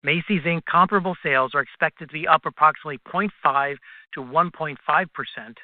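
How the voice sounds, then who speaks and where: A man, a company finance executive, formally reading prepared earnings call remarks in a measured way over a conference line. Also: fairly high pitch, no room sound. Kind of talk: scripted earnings call presentation. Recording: tinny, dry phone conference line.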